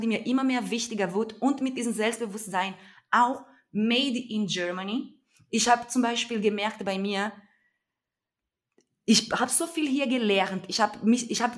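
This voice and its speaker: A woman's voice: fairly high pitch, moderate pace. A young adult woman from Brazil speaking with a Brazilian Portuguese accent, talking earnestly and emphatically as an activist guest in an interview, often searching for her words. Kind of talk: conversational interview.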